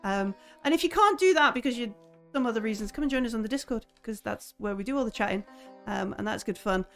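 A woman's voice: a little high, animated, fast, creaky, soft background music. A woman hosting and running a tabletop game, wrapping up a stream in casual chat with plenty of ums. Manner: chatty, lots of ums. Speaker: game master and stream host.

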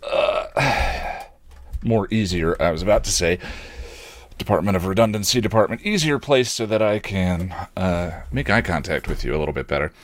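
Low-voiced man rambling on a podcast. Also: expressive, normal speed. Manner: self-deprecating, digressive, often correcting himself mid-thought. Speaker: podcast host. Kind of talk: rambling casual solo podcast monologue.

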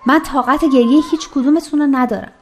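Radio play: actress as loud emphatic young woman, high voice, faint music behind. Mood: earnest. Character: loud warm-hearted young woman friend. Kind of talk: radio drama acting.

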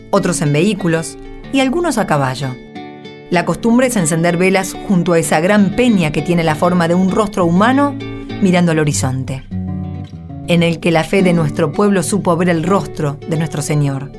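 An Argentine woman reading scripted narration in a measured, solemn manner. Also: fairly low pitch. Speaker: narrator and Gospel reader.

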